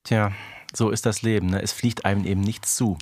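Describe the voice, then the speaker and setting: A man's voice: fairly low pitch, steady tone, fairly quick, darkish tone, no echo, studio quality. A man co-hosting a fan podcast, talking casually as he comments and puts questions to a guest. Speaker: podcast co-host.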